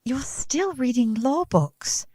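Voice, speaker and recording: A woman's voice: high-pitched, takes it slowly, slightly rough, dry recording, studio quality, full character voice. A woman as bubbly, gushing young Lucy. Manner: gushing, chatty, excitable. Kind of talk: stage radio play acting.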